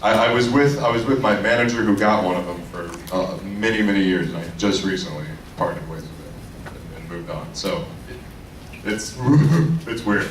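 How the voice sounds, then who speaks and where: Guy with lowish voice doing a casual voice actor panel, animated storytelling, far from mic, roomy echo. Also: brisk. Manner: animated storyteller who acts out quoted lines. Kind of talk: casual anecdotes and advice to an audience. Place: convention panel room. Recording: echoey room, distant mic, clear background noise.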